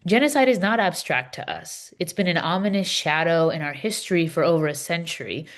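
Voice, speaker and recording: Woman reading as an earnest, low-pitched Palestinian Christian woman. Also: natural voice. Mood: grave, frustrated. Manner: earnest, deliberate, emphatic. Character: earnest, impassioned Palestinian Christian woman explaining her cause. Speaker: reader in a readers theater dialogue. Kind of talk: scripted dialogue read as measured conversation.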